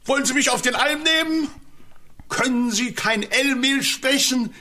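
A pompous town mayor from a children's audio play, extremely high-pitched for a man and piercingly sharp. He blusters in outrage through a comic speech impediment that muddles his consonants. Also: a little slow, heavily acted. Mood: outraged. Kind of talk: children's audio drama acting.

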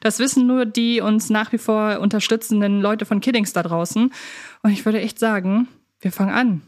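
A woman's voice: mid-range voice, fairly even intonation, moderate pace, darkish tone. A woman with a mid-range voice hosts a podcast. She speaks informally and chattily, as if bantering with a familiar co-host. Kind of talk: casual hosting, chatty banter.

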